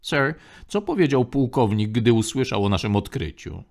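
A man's voice: mid-range voice, very animated, moderate pace. A man voicing a fussy, polite male protocol droid in a formal, deferential manner.

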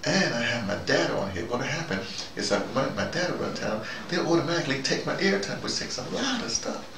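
A middle-aged man in a casual, rambling show-and-tell, talking to camera in a folksy, colloquial way and often pausing mid-thought. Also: mid-range voice, big pitch swings. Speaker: vlogger. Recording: echoey, distant mic, loud background noise.

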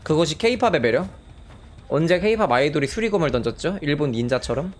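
A male streamer giving casual live commentary on his gameplay, breaking into loud surprised exclamations. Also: fairly high pitch, animated, fast talker. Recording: game music behind the voice. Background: game music.

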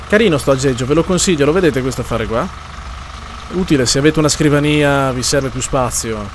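A man's voice: mid-range voice, fairly quick, slight background noise. A man streaming a horror game, nervously muttering, repeating himself and swearing as he plays. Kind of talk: live gameplay commentary.

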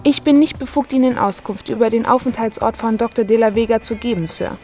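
Woman acting an officious, high-voiced hotel receptionist. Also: a little fast, dark tone, faint music behind, natural voice. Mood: cool, officious. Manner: formal, officious, coolly courteous. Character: falsely polite, stiff blonde female hotel receptionist. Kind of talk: sci-fi audio drama acting.

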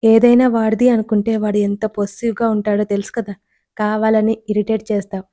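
A woman voicing an irritable young man who scolds his friends in a quick, sharp way. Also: medium pitch, flat delivery, dry recording, natural voice. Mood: scolding.

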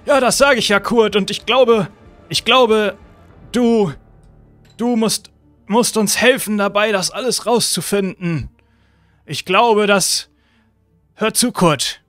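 A man voicing a decayed zombie uncle who pleads with a hoarse, strained voice, repeating the boy's name and restarting his sentences. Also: high-pitched, takes it slowly, long pauses, fairly bright tone, soft background music. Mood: coaxing. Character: undead zombie uncle, decayed, coaxing and weary.

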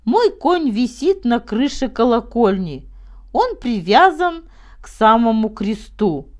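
A woman's voice: fairly high pitch, sing-song, slow pace. A woman voicing a proud old baron who tells tall tales in an earnest, self-important storybook manner. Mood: amazed, boastful.

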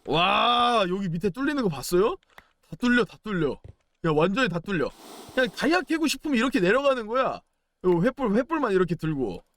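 Young male gaming commentator, high voice, very animated delivery, playful and chatty. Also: a little fast. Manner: playful, chatty, exclaims and chants while playing. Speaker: gaming YouTuber. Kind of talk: casual game commentary.

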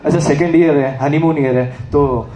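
A man's voice: fairly high pitch, normal speed, faint music behind. A young man doing a stand-up mimicry act as a student comedian on a large stage, speaking into a handheld mic and breaking into impressions and sung lines. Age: young adult. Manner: lively, switches into celebrity impressions and sung lines. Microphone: handheld mic, recorded from far in the audience. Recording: echoey hall, loud crowd noise. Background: laughing, cheering crowd.

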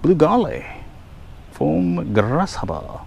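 A man's voice: fairly high pitch, slow, vocal fry, a little hiss or hum, poor audio. Man narrating his pond fishing outdoors. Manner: relaxed, muttering asides while casting. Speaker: angler filming his fishing. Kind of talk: casual running commentary. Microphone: head-mounted action camera.

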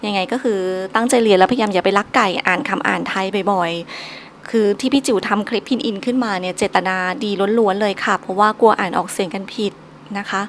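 A woman's voice: mid-range voice, a little fast, slight background noise. Patient woman teacher drilling syllables. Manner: patient, drills syllables by repeating each three times. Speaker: Chinese language teacher. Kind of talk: recorded online lesson, solo.

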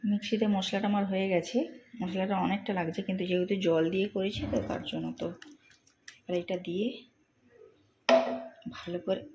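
A woman, speaking softly as she explains a home cooking vlog step by step. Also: mid-range voice, steady tone, brisk, long pauses, background noise. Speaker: cooking vlogger. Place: home kitchen.

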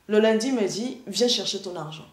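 A middle-aged woman from Rwanda giving an earnest spoken church testimony over a video call, halting and restarting often. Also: mid-range voice, expressive, echoey room, slight background noise. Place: indoor room, seated in armchair.

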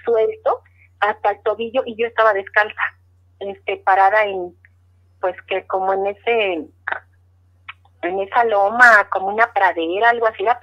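A middle-aged woman, earnestly telling a personal story in an interview, repeating words as she recalls it. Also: medium pitch. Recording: dull lo-fi audio.

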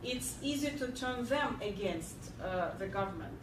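A woman's voice: medium pitch, normal speed. A woman, giving a keynote lecture from a podium and answering audience questions. She speaks earnestly, with many fillers and restarts. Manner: earnest, many fillers and restarts, animated when telling a joke. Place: large lecture hall, at a podium. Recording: echoey hall, heard from far off, clear background hum.

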